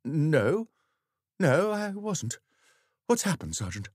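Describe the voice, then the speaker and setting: A man's voice: high-pitched, very animated, moderate pace, no echo, voice pushed up. A man doing a flustered middle-aged vicar, stumbling over his words. The voice sits well above the narrator's own and jumps about. Recorded close and dry. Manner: stammering, hesitant.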